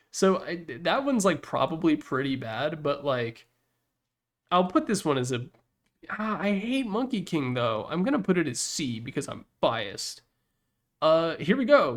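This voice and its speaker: Candid, slightly high-voiced man ranking things casually. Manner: candid, sweary, blunt opinions. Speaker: host ranking game announcer packs. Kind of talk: casual rambling ranking commentary. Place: his room. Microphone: Yeti desktop microphone.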